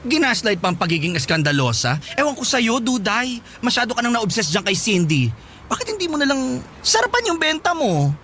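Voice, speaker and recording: An actor playing a sassy, reluctant gay best friend in a Tagalog radio drama, complaining in a campy, exaggerated way. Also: male voice, extremely high pitch, big pitch swings, fairly quick, bright, forceful tone, slight background noise, full character voice. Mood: whiny, reluctant.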